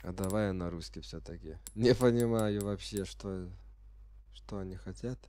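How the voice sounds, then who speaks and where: A sick man speaking as a non-native speaker, giving halting, unsure commentary as he plays a game for the first time and reads the menus aloud. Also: sits low, dark tone, a little hiss or hum. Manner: reads game menu text aloud while puzzling over it. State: sick with a virus. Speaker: gamer playing on camera.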